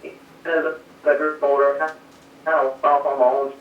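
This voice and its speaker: A race crew chief from South Carolina, USA, answers interview questions modestly while calling in from home on a phone line that breaks up and fades. His fairly high voice is flat and moderately paced, with soft music in the background, and the call sounds dull, distant, and echoey.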